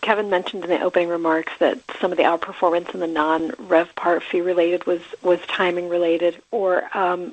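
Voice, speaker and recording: A woman's voice: lowish voice, dry recording. A woman, a financial analyst, asking questions politely and somewhat hesitantly on an earnings call. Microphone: conference call line. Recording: dull, dry conference call audio.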